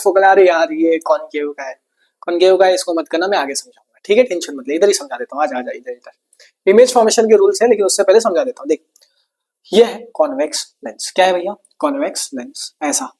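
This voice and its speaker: A man with a high, slightly mellow voice teaches an exam-prep science lesson. He's chatty and playful, firing off questions and answering them himself as if he were a student, switching between teacher and pupil in quick back-and-forth.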